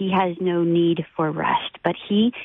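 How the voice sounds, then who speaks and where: A woman with an American accent has a plain, everyday voice, fairly low in pitch, with ordinary pitch variation and a fairly slow pace. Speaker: founder of a rest and wellness organization. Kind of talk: radio interview.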